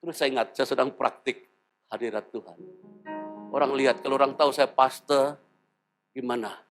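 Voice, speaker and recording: A man's voice: medium pitch, moderate pace, soft background music. A pastor in his fifties preaching a sermon, telling stories and acting out the voices in them. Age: 50s. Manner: animated storytelling, acting out dialogue.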